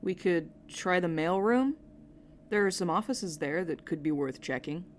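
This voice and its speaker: A woman acting in an audio drama as a steady, protective, wryly skeptical woman with a dry, matter-of-fact manner. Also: on the low side, a little slow, a little hiss or hum, natural voice.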